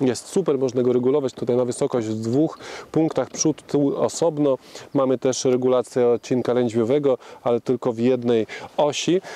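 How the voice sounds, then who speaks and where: At a moderate pace, a man speaks with very even loudness and fairly even intonation, the sound dry with no echo. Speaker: car reviewer. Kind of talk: review commentary. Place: car.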